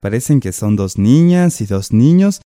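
A man's voice: medium pitch, expressive, moderate pace, dark tone, no room sound, clean studio sound. A man co-teaching a textbook lesson, explaining step by step and posing questions to the listener.

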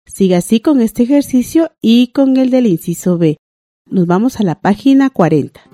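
A woman teaching a language lesson on a broadcast, reading out rules and examples in a clear, deliberate way. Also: fairly high pitch, expressive.

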